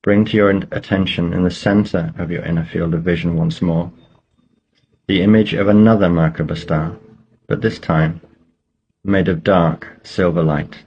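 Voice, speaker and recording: Deep gravelly man guiding a meditation. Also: a little mellow, dull audio, slight background noise. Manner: measured, instructional, pausing between phrases. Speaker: guided meditation leader. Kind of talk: slow guided meditation narration.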